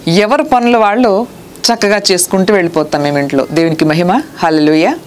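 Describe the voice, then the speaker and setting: A woman with a Telugu accent preaching a sermon, earnest and scolding, reading scripture slowly. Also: on the low side, a little hiss or hum.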